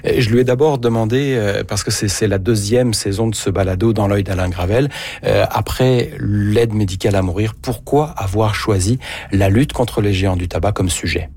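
Radio host guy, lowish husky voice, chatty with a few euh. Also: moderate pace, a little mellow. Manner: conversational, with fillers. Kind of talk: radio interview.

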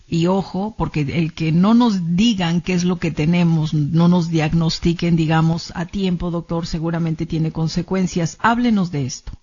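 Radio host guy, pretty high voice, steers the questions smoothly, muffled lo-fi audio. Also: a little mellow. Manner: smooth, guiding questions to the guest. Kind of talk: hosting a health call-in show. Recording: dull lo-fi radio sound.

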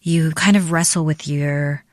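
A woman hosting a radio news program, asking measured, probing questions. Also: sits low, steady tone, a little mellow, a little hiss or hum. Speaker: news host.

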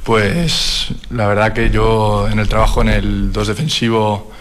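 Young man, low flat voice, earnest, repeats words while thinking. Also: unhurried, faint music behind. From Madrid. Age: young adult. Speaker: handball player. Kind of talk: interview answers.

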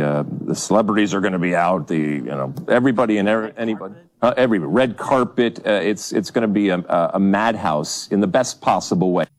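A man with a very low, deep voice talking as a soccer analyst. He sounds excited but halting, full of fillers and restarts. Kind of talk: clip of interview remarks.

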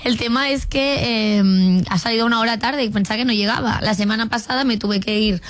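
Woman, higher voice, chatty and dramatic telling a story on a talk show. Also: fairly quick. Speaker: regular contributor. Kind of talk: casual chat.

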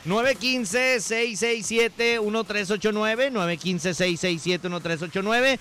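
A man's voice: sits high, takes it slowly, pushed and bright, soft background music. A man with a Mexican Spanish accent hosting a playful morning radio chat, joking and reading out a phone number. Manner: playful, jokey, repeats phone number in sing-song. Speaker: radio show host.

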